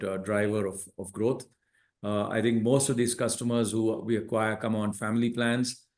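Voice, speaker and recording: A man's voice: lowish voice, darkish tone. A man speaking as a company executive, giving methodical, explanatory answers on an earnings call. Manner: measured, methodical, enumerating points.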